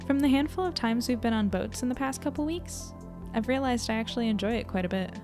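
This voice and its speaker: A woman's voice: on the high side, fast, over music, lightly acted. A woman playing a curious, self-doubting young journalist in an audio drama, earnest and conversational. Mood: reflective. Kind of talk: audio drama acting and diary narration.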